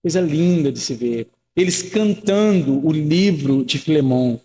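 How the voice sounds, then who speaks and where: A man in his thirties preaches a sermon in a high, bright voice. His talk is earnest and conversational, and he keeps circling back with rhetorical questions and repeated phrases. The church around him leaves a long, ringing tail of reverb. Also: expressive, unhurried, a little hiss or hum. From Rio de Janeiro, Brazil. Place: church sanctuary.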